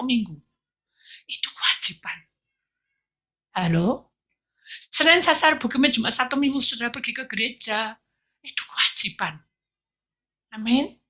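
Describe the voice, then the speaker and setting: A woman pastor preaching a sermon in a storytelling way, swinging from loud bursts to near whispers. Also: fairly low pitch, breathy edge.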